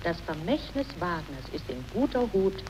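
A woman's voice: fairly low pitch, big pitch swings, moderate pace, background noise. A woman reading solemnly and declaiming from a script in an archival 1930s radio interview.

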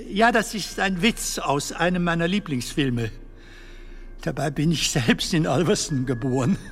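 An actor playing an elderly English comedian in a radio play, nervous, polite and chatty, with a hesitant, questioning manner. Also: male voice, fairly high pitch. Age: 70s.

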